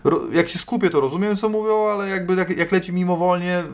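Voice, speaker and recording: In a casual chat on the talk show he co-hosts, this male podcast host speaks quickly in a high-pitched voice with fairly even intonation. He's hesitant, often stopping to restart sentences and leaning on fillers.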